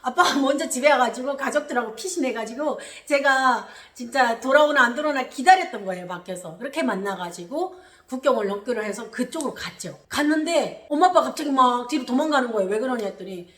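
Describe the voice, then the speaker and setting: A woman from North Korea tells her defection story with real animation, her pitch climbing and dropping as she acts out the shouts and cries of the people in it, and she laughs as she goes. Her voice sits a little higher than most women's. The room around her is echoey. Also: lively intonation, fairly quick. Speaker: YouTuber recounting her defection.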